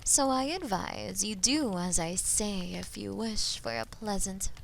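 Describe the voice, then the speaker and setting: A woman voicing a haughty, menacing female dragon in a fantasy audio roleplay, imperious and possessive, with deliberate delivery and breathy phrase endings. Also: mid-range voice, a little hiss or hum, low-quality recording. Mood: haughty, commanding. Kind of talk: slow, dramatic roleplay audio acting.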